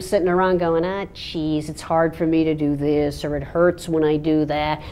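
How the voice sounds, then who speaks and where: A woman with a fairly low pitch talks at a moderate pace in a plain, everyday voice. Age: 60s. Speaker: author and communications lecturer. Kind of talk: interview.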